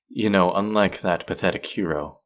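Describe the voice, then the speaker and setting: In a roleplay audio drama, a man with a deep voice plays a manipulative, possessive supervillain. His delivery is measured and condescending yet coaxing and protective, in a teasing mood.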